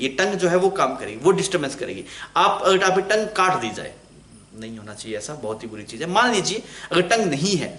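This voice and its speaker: A man's voice, on the high side with a fairly bright tone, carries a chatty online physics lecture. Questions go out to the class, and he supplies the answers himself, all in an echoey room.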